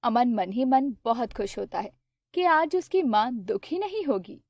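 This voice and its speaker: A woman narrating a cartoon story in a steady, plain storybook way. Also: on the high side, measured pace, dry recording.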